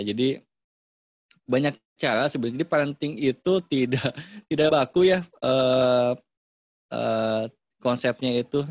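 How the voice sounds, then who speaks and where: A man's voice: medium pitch, no room sound. Chatty Indonesian man with a dry sound. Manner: relaxed, chatty, acts out parent and child lines. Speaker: parenting workshop speaker. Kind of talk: casual online talk.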